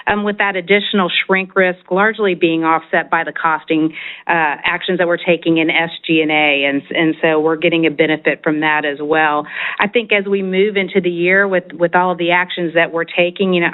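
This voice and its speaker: A woman speaking as a finance executive, giving businesslike, assured answers on a corporate earnings call. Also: on the low side. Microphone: conference call line. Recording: narrow-band conference phone line.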